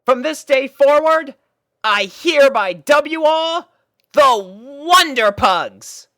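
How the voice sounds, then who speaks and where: High-pitched cartoon pegasus mare, acted by a story reader, brash, caring, excitable, swooping intonation. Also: slow pace, no room sound, studio quality, heavily acted. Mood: excited.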